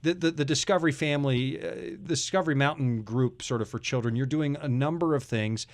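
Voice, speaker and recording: A man hosts a relaxed radio panel. His voice sits at a medium pitch, and he talks in a jokey, teasing way as he puts questions to his guests. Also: brisk. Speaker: radio show host. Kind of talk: casual panel interview.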